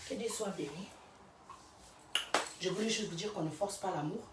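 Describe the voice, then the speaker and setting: A woman's voice: mid-range voice, moderate pace, heavy background noise. A woman, speaking in an emphatic, fiery casual rant and repeating rhetorical questions. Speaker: vlogger. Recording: roomy sound from a distant mic.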